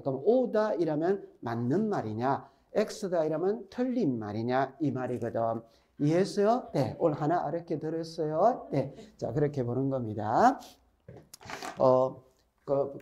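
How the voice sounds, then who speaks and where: A man's voice: fairly high pitch, mellow. Middle-aged man lecturing with Gyeongsang accent. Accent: Gyeongsang Korean. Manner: chatty, repeats key points, quizzes students. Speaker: exam-prep instructor. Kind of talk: recorded classroom lecture.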